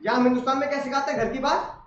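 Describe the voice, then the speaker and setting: A man with a very high voice lectures a class and tells a lively story, laughing between lines and acting out the parts. The sound comes from a distance and is muffled, in an echoey room with noise behind it. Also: racing. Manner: animated, laughing, acts out family scenes. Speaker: teacher.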